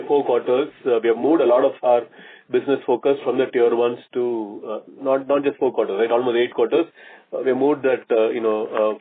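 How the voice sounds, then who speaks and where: A man's voice: medium pitch, husky. Man on a tinny phone line. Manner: halting, repeats and restarts phrases. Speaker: company executive. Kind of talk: answering questions on an earnings call. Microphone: conference call line.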